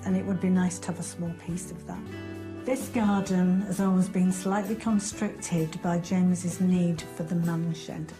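A woman in her fifties from Leeds, reflective and soft-spoken in an interview at home, on a lapel mic. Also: on the low side. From Leeds, England. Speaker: house-hunting guest. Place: indoors at home, living room.

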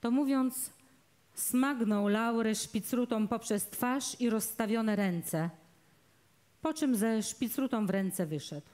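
Slow, dark-voiced woman reading a novel. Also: a little high. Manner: measured, dramatic storytelling. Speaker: reader, actress. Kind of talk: literary reading aloud of a novel. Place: outdoors in a public garden.

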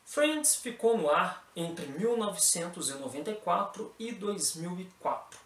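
A man's voice: high voice, measured pace. A young man with a Brazilian accent, presenting the news in a formal, scripted read from a desk in a small room. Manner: even, formal anchor delivery. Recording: roomy echo with faint music behind.

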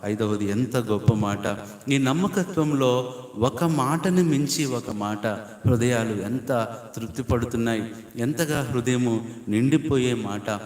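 A man's voice: mid-range voice, a little slow. Emphatic male preacher in an echoing hall. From India. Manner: emphatic preaching in repeated numbered points, rising to loud appeals. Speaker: pastor. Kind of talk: sermon. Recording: echoey hall with long reverb.

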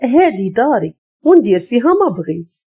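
A woman's voice: on the high side, very animated, brisk, mellow, slightly rough, muffled recording, heavily acted. A woman voicing an arrogant Moroccan husband. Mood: mocking. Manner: cold, commanding. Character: arrogant domineering young husband.

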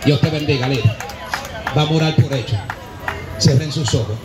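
Fervent preacher man on a loudspeaker. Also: a little high, normal speed. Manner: fervent, calls out commands and prayers, loud bursts. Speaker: street preacher. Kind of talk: open-air evangelistic sermon and prayer. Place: busy city street outdoors. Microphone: handheld microphone through loudspeaker. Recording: echoey outdoor PA sound with loud crowd and music. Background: crowd and music.

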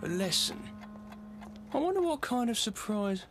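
Young cartoon cabbie, wary and excitable, lively swings in pitch. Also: male voice, normal speed. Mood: suspicious. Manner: wary, easily panicked. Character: suspicious, jumpy young male taxi driver. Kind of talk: animated cartoon acting. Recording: music behind voice.

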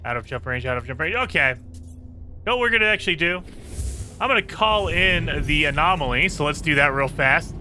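A man hosting a gaming channel, chatting casually through gameplay, his voice a bit raspy and hoarse today. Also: a little high, lively intonation, brisk, pushed and bright, soft background music. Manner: chatty, talks to viewers while playing. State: slightly hoarse.

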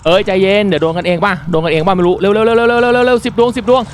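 A man with a fairly high-pitched voice talks through a mobile shooter in a relaxed, polite tone. Once the match starts he reacts loudly and excitedly to every hit and near miss. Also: fast talker, slight background noise. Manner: polite explaining that turns into excited exclaiming during play. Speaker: mobile game reviewer. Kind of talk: casual gameplay commentary.

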